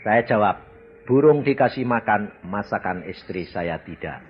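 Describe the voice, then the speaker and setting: A man preaches an animated sermon, his pitch swinging widely as he acts out voices. He breaks into sudden loud outbursts. The recording is dull and lo-fi with faint background noise. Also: moderate pace.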